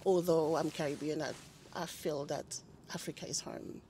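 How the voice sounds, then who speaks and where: A woman's voice: sits low, steady tone, moderate pace. A woman from France, a former lecturer, talking as a guest in a hesitant way with many fillers and restarts. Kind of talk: casual interview talk. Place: parked car. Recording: noisy car recording. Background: loud car noise.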